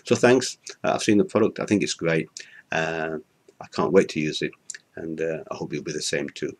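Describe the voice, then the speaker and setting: A man in his sixties with a Yorkshire accent, giving an unscripted product testimonial to a webcam indoors, halting with many fillers and restarts. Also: very deep voice. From Yorkshire, England. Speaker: product reviewer. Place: indoor room in front of a curtain.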